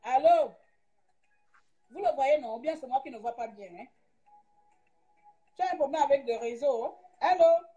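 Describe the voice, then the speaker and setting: A woman's voice: sits high, a little fast, pauses often, mellow, roomy sound, highs cut off, faint music behind. A woman hosting a casual livestream, agitated and openly saying she is angry and impulsive. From Gabon. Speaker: livestream host. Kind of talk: casual live-stream talk.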